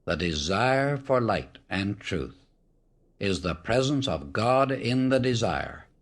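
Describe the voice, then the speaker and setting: A man with a fairly low voice narrates a spiritual audiobook. His delivery is solemn and measured, with each phrase set out as a firm declaration. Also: very animated.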